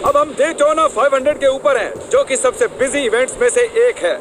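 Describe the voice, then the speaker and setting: A man dubbing a vlog host, narrating in an excited showman way. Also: extremely high pitch, fairly quick, a crowd in the background, noisy background. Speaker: host dubbed into Hindi. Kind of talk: energetic vlog narration dub.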